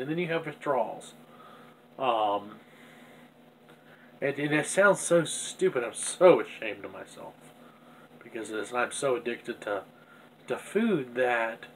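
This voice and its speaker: A man of middle pitch speaks with a stuffy, congested nose, rambling through a personal video diary. His talk is candid and self-critical, full of restarts. A faint hum sits behind him. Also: poor audio. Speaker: vlogger.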